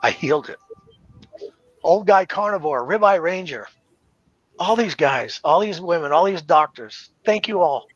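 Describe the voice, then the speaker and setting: A man's voice: on the high side, expressive, a little slow, pauses often, no room sound. A man giving an emotional personal testimony, emphatic and repetitive, choked up. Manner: emphatic, repeats himself. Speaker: viewer sharing a testimonial. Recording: dull, dry lo-fi sound.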